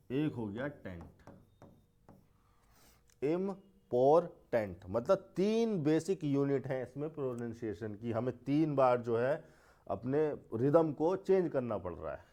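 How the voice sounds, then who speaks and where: A man's voice: mid-range voice, mellow. A man teaching an English grammar lesson, explaining step by step with repeated words and rhetorical questions.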